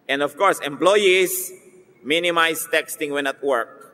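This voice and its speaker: A man's voice: on the high side, takes it slowly, long reverb tail. A man with a Filipino accent preaching a sermon as pastor, teasing, mixing in English phrases. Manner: mixes English into talk, teasing, animated mock voices. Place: church.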